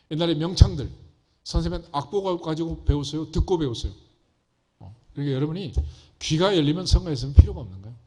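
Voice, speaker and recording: A man's voice: fairly high pitch, dark tone, husky. A male pastor giving a folksy, conversational sermon, often asking the congregation rhetorical questions.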